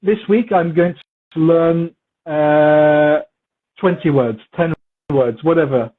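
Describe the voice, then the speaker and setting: Brief: man, language teacher, husky, slightly high voice, tinny phone-like sound. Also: takes it slowly. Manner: relaxed, repetitive for emphasis, mixes in Turkish words. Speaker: English teacher interviewed as guest. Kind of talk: casual conversational Q&A. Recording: muffled phone-like audio.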